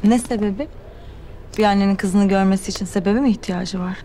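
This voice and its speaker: A young actress playing a scheming rival who talks to others in a sugary, mocking, patronizing way, in a TV drama. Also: female voice, medium pitch, steady tone, brisk, dark tone, a little hiss or hum, lightly acted. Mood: defensive. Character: sly, condescending young woman rival. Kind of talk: television drama acting. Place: hotel meeting hall. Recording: scene music underneath.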